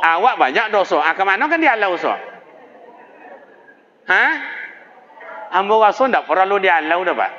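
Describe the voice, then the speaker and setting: Bright-voiced preacher with local Riau Malay accent. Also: male voice, high-pitched. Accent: Kuantan Singingi Malay. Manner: dramatic, animated, folksy storytelling. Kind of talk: sermon. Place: mosque. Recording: echoey mosque hall, dull PA sound.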